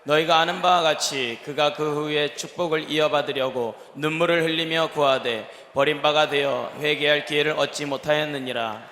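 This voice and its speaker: A man reading a scripture passage aloud in a solemn, even way during a church service. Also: fairly high pitch, normal speed, few pauses, slight background noise. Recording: roomy, echoing hall.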